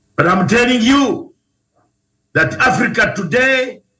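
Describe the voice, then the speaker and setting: The voice is raised and projected, with a bright, sharp tone, a fairly slow pace and a Ugandan accent. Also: man. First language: not English. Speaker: TV show host, political commentator. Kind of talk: political monologue. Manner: animated.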